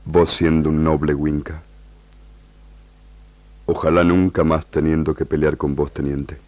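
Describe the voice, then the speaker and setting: An actor playing a grave, proud indigenous chieftain who longs for peace, speaking stilted broken Spanish in a radio drama. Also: male voice, very deep voice, flat delivery, a little slow, a little mellow, no room sound, highs cut off. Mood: solemn.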